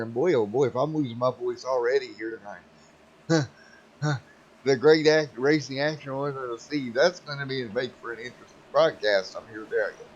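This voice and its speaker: A man's voice: medium pitch, breathy edge, highs cut off. Folksy man calling a sim race. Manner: folksy, drawling, says "Mister" before drivers' names. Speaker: race commentator. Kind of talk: sim racing play-by-play commentary.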